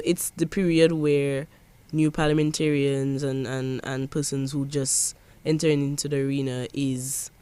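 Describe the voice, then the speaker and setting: A woman's voice: low-pitched, a little mellow, dry recording. Earnest young Dominican woman, dry sound. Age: young adult. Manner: earnest, emphatic, with repeated restarts. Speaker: parliamentary secretary. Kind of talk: interview.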